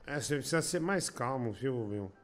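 A man on a comedy talk show mockingly telling a co-host to calm down. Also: mid-range voice, brisk, soft background music. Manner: mocking, teasing, mock-calming. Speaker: show regular. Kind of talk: teasing comedy chat.

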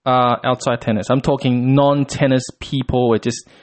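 Friendly guy hosting a chat show, repeats himself a lot, easygoing, mid pitch. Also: flat delivery, moderate pace. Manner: chatty and upbeat, stammering restarts, laughs easily. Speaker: podcast host. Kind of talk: casual interview chat.

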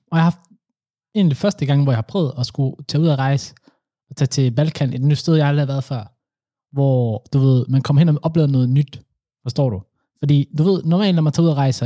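A young man co-hosting a casual chat, telling animated stories with slang. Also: medium pitch, dry recording, clean studio sound.

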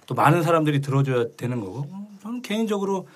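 A man's voice: fairly high pitch, very animated, fast. A man co-hosting a podcast in casual chat, with a short-tongued lisp and imprecise articulation. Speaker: podcast co-host.

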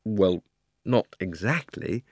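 An earnest, flustered young boy , as a male narrator voices him, stammering and pitched up, with lively swings in his tone. The storybook reading is dry and close to the mic. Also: slow, no room sound, exaggerated voice. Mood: anxious. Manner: stammering, anxious, pleading.

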